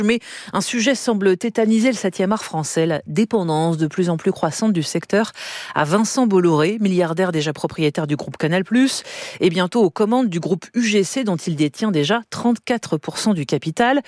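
A woman radio host gives a brisk scripted introduction and asks direct interview questions. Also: fairly low pitch, a little mellow, no room sound, studio quality.

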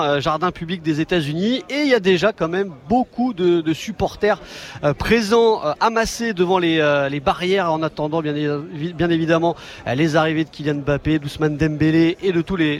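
A man's voice: on the high side, fairly quick. A man reporting live for the news from outdoors on a city street, talking with many fillers and restarts. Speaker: field reporter.

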